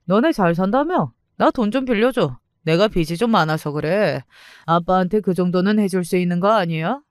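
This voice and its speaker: Woman reading a sneering, wheedling deadbeat dad; slow taunts, dry sound. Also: on the low side, expressive, dry recording, lightly acted. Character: greedy debt-ridden estranged father, middle-aged man.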